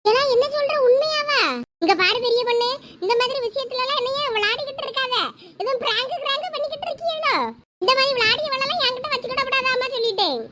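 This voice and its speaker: A woman voicing gossiping adult women in a cartoon comedy, speaking a with lively banter. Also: very high voice, fast talker, a little hiss or hum. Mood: alarmed doubt.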